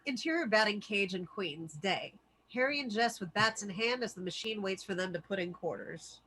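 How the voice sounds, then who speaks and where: A woman's voice: mid-range voice, animated, normal speed, sharp tone, husky, low-quality recording. A woman reading scripted stage directions as narrator for a table read.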